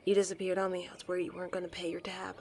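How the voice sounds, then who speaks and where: A woman's voice: lowish voice, monotone, rapid-fire, noisy background, natural voice. A woman playing a blunt, foul-mouthed spaceship captain with a curt, commanding, sardonic manner in an audio drama. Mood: curt, confrontational. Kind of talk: scripted audio drama acting.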